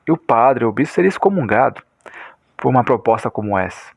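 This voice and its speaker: A man's voice: medium pitch, lively intonation, fairly quick, gravelly, husky, dry recording. A Brazilian man giving informal religious commentary in a didactic, repetitive way, often checking that listeners follow.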